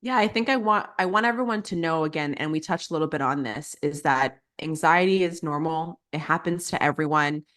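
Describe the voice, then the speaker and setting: A woman's voice: low voice, brisk, hardly any pauses, a bit bright. A young woman coach answering interview questions, earnest and explanatory, with frequent "like" fillers. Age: young adult. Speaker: guest, teen life coach.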